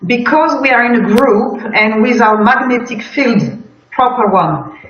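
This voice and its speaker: Slow, hesitant French-accented woman. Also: a little high, fairly bright tone, echoey room, muffled recording, a little hiss or hum. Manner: hesitant, many uh fillers, slow searching phrasing. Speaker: healing practitioner. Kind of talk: casual conversation.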